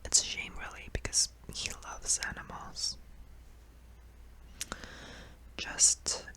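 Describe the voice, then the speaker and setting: A performer voicing a kindly, apologetic sleep paralysis demon in a soft, hesitant, breathy whisper for an ASMR roleplay. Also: a little slow, natural voice, low-quality recording. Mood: fond, earnest.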